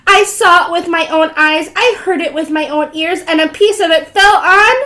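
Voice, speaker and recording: A woman's voice: very high-pitched, moderate pace, bright, forceful tone, pitched above the performer's own voice. A woman voicing a frantic young hen in a children's storybook, with alarmed, stretched-out exclamations. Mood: alarmed, insistent.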